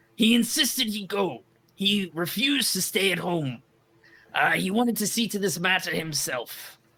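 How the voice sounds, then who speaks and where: A man's put-on character voice, high-pitched and raspy, at a fairly slow pace. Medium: actual play. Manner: earnest, courteous.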